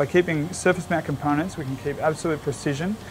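A man talking very fast with ordinary pitch variation, clear music in the background. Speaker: factory staff tour guide. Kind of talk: guided tour explanation. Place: factory.

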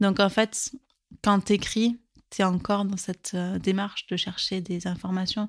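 The recording is very clean, with a silent background and a dry, close sound free of echo. The speaker's intonation is monotone and flat. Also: woman. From southern France, near Toulouse. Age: young. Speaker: bereaved sister and author. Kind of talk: testimony. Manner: hesitant, many fillers.

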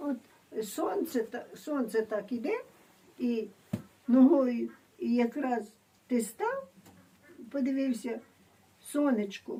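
At a very slow pace with long, frequent pauses, a woman talks in a high pitch. Her tone is dark and mellow, with ordinary pitch variation. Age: old. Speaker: village grandmother. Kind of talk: interview answer, village memories.

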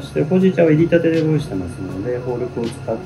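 A man talking at a fairly quick pace, with clear music in the background. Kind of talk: explanatory presentation. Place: bar.

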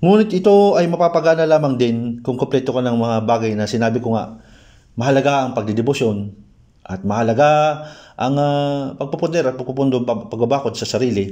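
This man has a dark, mellow tone at a medium pitch, with lively intonation and a fairly quick pace. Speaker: folk healer and esoteric teacher. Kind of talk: spiritual teaching. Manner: hesitant, with frequent filler sounds.

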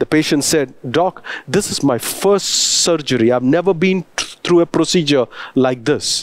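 A man uses lively intonation while speaking at a moderate pace. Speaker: preacher. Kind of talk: sermon. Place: studio. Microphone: headset.

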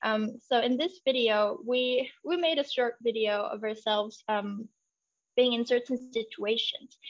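Over a quiet background, the voice moves at a fairly slow pace with ordinary pitch variation. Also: woman. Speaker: presenter. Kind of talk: workshop presentation. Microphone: video call.

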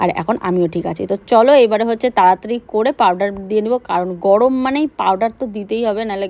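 A woman with a medium pitch, a dark, mellow tone and ordinary pitch variation, in dry, close sound with no echo. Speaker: vlogger. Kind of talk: casual vlog narration. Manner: stammers when speaking on camera.

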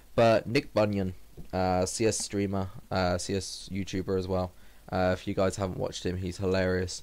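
Here a man speaks in a British accent. His pitch is fairly low. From Britain. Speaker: gaming YouTuber. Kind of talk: casual, informal. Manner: monotonous; rambling, casual. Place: home room.

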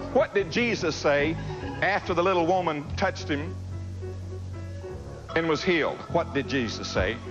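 A man with a fairly high voice speaks at a moderate pace, his pitch swinging very widely over noticeable background noise. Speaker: preacher leading a church service. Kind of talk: live sermon preached to a congregation, improvised. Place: church. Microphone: lapel.

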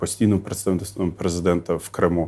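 A man's very deep, low pitch in a dark, mellow tone, with monotone, flat intonation. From Crimea. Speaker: member of parliament. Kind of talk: interview. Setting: studio. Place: studio.

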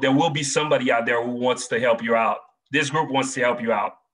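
Very fast speech in a Caribbean accent, with fairly even intonation, over a quiet background. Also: man. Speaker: data professional. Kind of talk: casual chat. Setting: video call. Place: home room. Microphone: video call.

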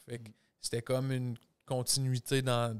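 Flat, monotone delivery against a quiet background. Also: man. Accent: Quebec. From Quebec. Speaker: podcast host. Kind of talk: casual interview. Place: studio. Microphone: studio mic.

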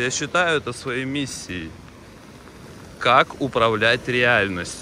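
Noticeable background noise runs under this recording. A man speaks at a fairly slow pace and a medium pitch. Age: 30s. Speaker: travel vlogger. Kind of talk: walking vlog monologue. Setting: outdoors walking in rain.

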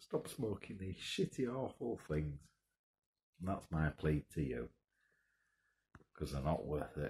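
With a dark, mellow tone and a somewhat breathy quality, the voice moves at a fairly slow pace through very wide pitch swings. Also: man. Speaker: long-time smoker. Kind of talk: casual talk to camera. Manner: quiet, soft-spoken. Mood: earnest, somber warning. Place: home room. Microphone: phone near.

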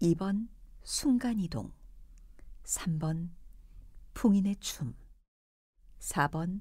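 A woman speaks very slowly at a medium pitch, her tone dark and mellow and somewhat breathy. Her pitch swings very widely. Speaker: voice actor. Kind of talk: casual chat.

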